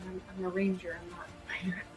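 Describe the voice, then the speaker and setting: A woman's voice: on the low side, flat delivery, fast talker, a little mellow, faint music behind. A woman chatting casually as a player in a tabletop roleplaying game.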